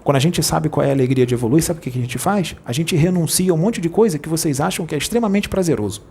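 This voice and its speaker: A man with a Brazilian Portuguese accent, a spirit medium preaching informally in a playful, jokey way that rushes over his words. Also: a little high, gravelly, a little mellow, husky.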